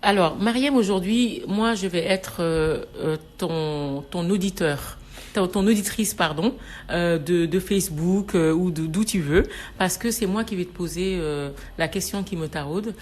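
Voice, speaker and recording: A woman's voice: on the low side, a little slow, a little mellow, a little hiss or hum. A woman from Senegal hosting a radio talk show, asking questions with many hesitations and restarts.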